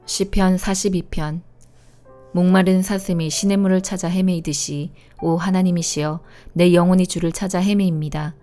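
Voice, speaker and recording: A woman giving a calm, measured reading of scripture aloud. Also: lowish voice. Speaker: Bible reader. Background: faint instrumental music.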